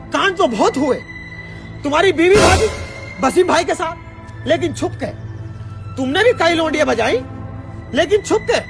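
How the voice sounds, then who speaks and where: A man's voice: very high voice, gravelly, a bit bright, exaggerated voice. A man playing a cheeky, foul-mouthed royal courtier in a crude comedy sketch, grumbling and mocking.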